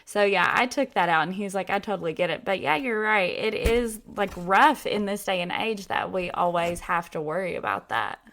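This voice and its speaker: A woman's voice: mid-range voice, normal speed, few pauses, a bit bright. A young woman hosting a podcast, talking casually with many filler words. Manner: chatty, lots of "like" fillers. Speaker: podcast host.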